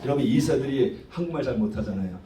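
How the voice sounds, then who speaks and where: Animated male pastor preaching. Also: mid-range voice, fast, slight background noise. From Korean diaspora, 1.5-generation immigrant. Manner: mixes English words and phrases into Korean; animated, rhetorical questions to congregation. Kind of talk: sermon. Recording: roomy, distant microphone.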